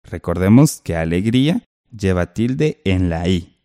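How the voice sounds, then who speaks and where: A man's voice: low voice, expressive, a little slow, mellow, no echo, studio quality. A man co-teaching a textbook lesson, explaining step by step and posing questions to the listener.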